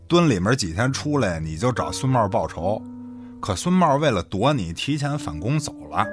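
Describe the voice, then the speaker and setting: Man acting brazen village boss, lively and crude. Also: medium pitch. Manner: crude, swearing, sardonic, self-justifying. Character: brazen, cynical male village boss, scornful and shameless. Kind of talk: Chinese radio drama acting.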